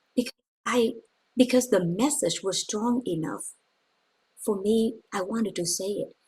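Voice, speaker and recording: Her voice comes across as somewhat breathy. This woman's intonation is lively. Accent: Vietnamese. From Vietnam. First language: Vietnamese. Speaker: coach and speaker. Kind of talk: interview. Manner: halting.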